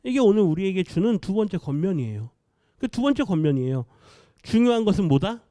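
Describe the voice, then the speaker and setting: A male pastor giving an expository sermon. He asks the congregation questions, answers them himself, and drops to a quiet voice to stress key words. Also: sits high, sing-song, a little fast, no echo.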